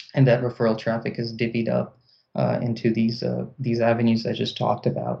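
This man's voice is somewhat breathy. His intonation stays fairly even. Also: medium pitch for a man, fairly quick pace. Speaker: blogger and online entrepreneur. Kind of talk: casual interview.

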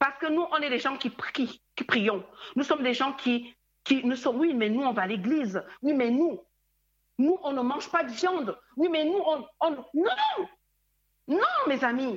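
A woman talks at a fairly slow pace with long, frequent pauses. Her high pitch carries lively intonation. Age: 40s. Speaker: preacher. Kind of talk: sermon. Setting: radio broadcast. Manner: fervent, exhortative; emotional, emphatic.

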